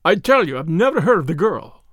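A man's voice: sits high, very animated, a little fast, dry recording, clean studio sound. A man voicing a scared, sullen, corrupt Russian revolutionary in storybook dialogue, pleading and evasive. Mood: frightened. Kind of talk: dramatised audiobook dialogue.

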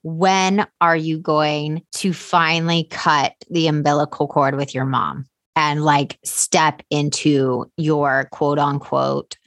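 Effusive woman host with a lowish voice. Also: steady tone, slow, few pauses, a bit bright, dry recording. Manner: effusive and direct, pushing the guest with questions. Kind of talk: encouraging interview host.

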